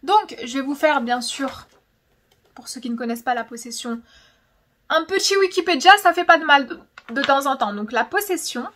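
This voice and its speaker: A woman's voice: high voice, animated, normal speed, fairly bright tone. A young woman chatting casually in a storytelling vlog, dramatic and emphatic, often repeating words for effect. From francophone, of Algerian descent. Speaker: YouTube host.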